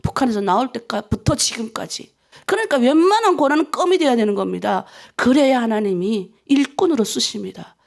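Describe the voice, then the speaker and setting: A middle-aged woman pastor leads a dawn prayer sermon in a high voice with a gravelly texture. She tells personal stories with feeling and slips into heartfelt prayers addressed to God. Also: expressive, a little fast. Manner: emotional storytelling, acts out prayers to God.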